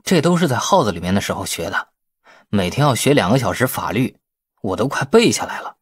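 A man's voice: fairly low pitch, big pitch swings, fairly quick, breathy edge. A man voicing a brash, irritable, defensive man who grumbles colloquially in an audiobook. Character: brash, irritable man in a family inheritance feud. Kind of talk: audiobook character acting.

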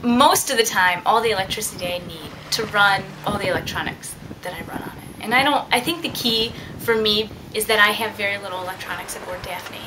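A woman's voice: medium pitch, brisk, few pauses, noisy background. A young adult woman talking casually and reflectively as an interviewee about her own life, seated indoors. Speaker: liveaboard sailor being interviewed.

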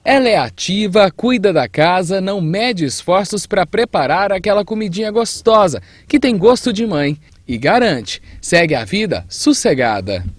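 A man's voice: high voice, sing-song, normal speed, few pauses, no echo. A young Brazilian man narrating a scripted news feature as a TV reporter.

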